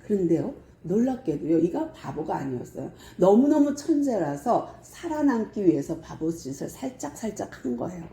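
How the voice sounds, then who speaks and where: Woman pastor, lively storytelling sermon, mellow tone, echoey room. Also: medium pitch, normal speed, hardly any pauses. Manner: lively storytelling, acting out scenes.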